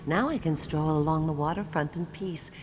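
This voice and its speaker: A woman's voice: sits low, normal speed, a little mellow, slight background noise, lightly acted. A woman playing an eccentric, doting and sinister old lady in a video game, with a sing-song way of talking. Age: older. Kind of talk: video game character acting.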